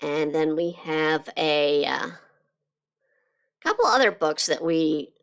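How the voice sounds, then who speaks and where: A woman chatting casually on a live drawing stream, her voice slightly hoarse from being sick, rambling with lots of fillers and restarts. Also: deep voice, animated, takes it slowly. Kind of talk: casual chat while drawing.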